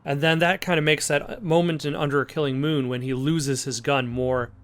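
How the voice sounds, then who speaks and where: A man's voice: on the high side, steady tone, normal speed. A man hosting a game playthrough, commenting casually with hesitant, rambling asides. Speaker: let's play host.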